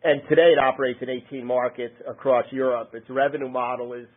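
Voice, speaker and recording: A man speaking as a company executive on an earnings call, halting and often rephrasing his words. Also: mid-range voice, level tone. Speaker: company executive answering analysts. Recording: narrow-band conference phone line.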